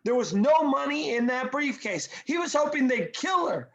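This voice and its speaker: An exasperated, scruffy slacker voiced by a woman in a script read-through. The voice sits a little high, with slightly dull lo-fi sound. The talk is profane, slangy and full of complaint. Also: sing-song, moderate pace. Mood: accusing. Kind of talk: virtual table read of a film script. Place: remote video call.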